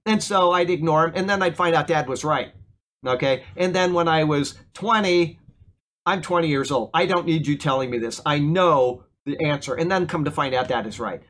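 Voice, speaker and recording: A man's voice: on the high side, moderate pace, fairly bright tone, slight background noise. A man, preaching a casual sermon and often checking in with his listeners. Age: 50s. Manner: conversational, keeps asking "okay?". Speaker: pastor.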